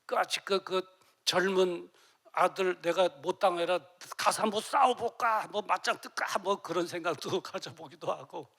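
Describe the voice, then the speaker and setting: Middle-aged male pastor preaching, goes soft then loud and tearful, raspy fry in the voice. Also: sits high, moderate pace. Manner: emotional, swings from soft to loud; acts out tearful prayers. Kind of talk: sermon.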